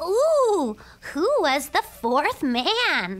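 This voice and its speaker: An extremely high-pitched cartoonish character voice with very wide pitch swings. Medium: puppet.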